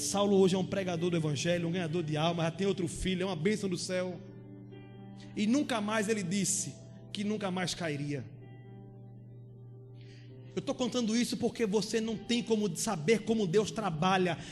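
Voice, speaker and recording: A man preaches with a high, lively voice and acts out the people in his story. His voice rings through a church hall with a long echo, and soft music plays behind him. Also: normal speed. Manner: animated, acts out dialogue in the story. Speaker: pastor. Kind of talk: sermon storytelling.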